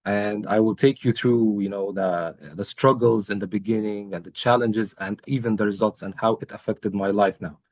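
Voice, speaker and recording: A young man from Egypt, a coaching client telling his story in an interview, earnest and measured, with many pauses and fillers. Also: on the low side, fairly even intonation, darkish tone, no echo. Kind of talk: testimonial interview.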